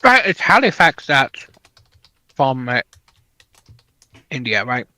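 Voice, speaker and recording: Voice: medium pitch, very animated, takes it slowly, sharp tone, no echo. A panelist of unclear sex in casual livestream chat, on a dry microphone with keyboard typing behind.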